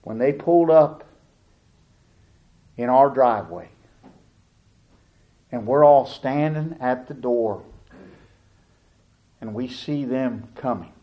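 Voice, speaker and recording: A middle-aged man preaching a sermon as a pastor, telling a family story with lively acted-out voices. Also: medium pitch, takes it slowly, pauses often, dull audio.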